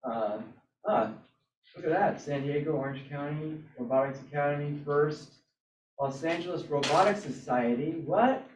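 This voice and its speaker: Man demoing software, roomy distant sound. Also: on the high side, slight background noise. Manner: halting, thinking aloud. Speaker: presenter at a robotics club meetup. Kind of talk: casual live software demo. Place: indoor hybrid club meeting, away from mic. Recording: roomy, distant, dull meeting-room sound.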